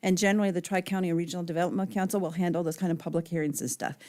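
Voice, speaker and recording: The recording of this woman's voice is very clean, and the background is silent. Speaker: county staff member. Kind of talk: public meeting presentation. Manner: fast.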